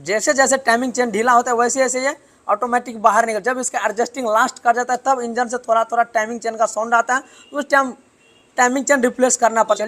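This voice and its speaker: A man's voice: very high-pitched, fairly bright tone. A man, a motorbike mechanic explaining a repair step by step in a workshop tutorial. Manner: explains step by step, keeps pointing things out.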